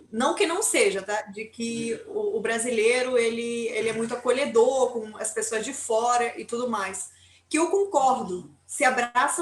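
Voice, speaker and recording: This woman's voice sits high and rises and falls in an ordinary way. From Peru. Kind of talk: interview answer.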